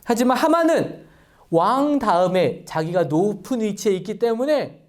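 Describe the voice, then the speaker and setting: Children's pastor, woman, animated storyteller who quizzes the kids. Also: medium pitch, normal speed. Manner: lively, addresses children directly with questions.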